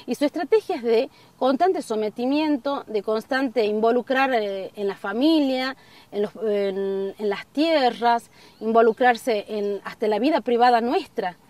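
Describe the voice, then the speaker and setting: A middle-aged woman from northwest Argentina, speaking earnestly in an outdoor documentary interview and often pausing on fillers. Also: a little high, a little mellow, no echo, distant mic. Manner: earnest, gesturing, many fillers. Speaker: community member interviewed. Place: outdoors in an open field. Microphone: camera at a distance.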